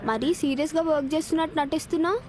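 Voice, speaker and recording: A woman's voice: high-pitched, fairly even intonation, very fast. A woman playing a friendly coworker in a comedy sketch, teasing her friend and then giving him advice.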